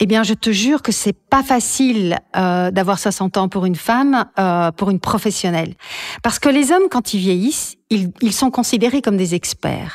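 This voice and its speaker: In a very clean recording with a silent background and a dry, close sound with no echo, a woman of medium pitch speaks at a moderate pace with ordinary pitch variation and very even loudness. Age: 60s. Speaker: founder of a gender-equality organisation. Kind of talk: podcast interview. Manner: animated.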